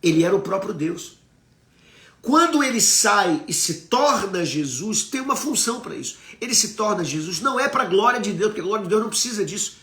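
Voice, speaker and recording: A man's voice: high-pitched, expressive, fairly quick, a bit bright, echoey room. A man with a Brazilian Portuguese accent preaching on a live stream. He teaches emphatically, asks the audience questions and reads out viewer comments.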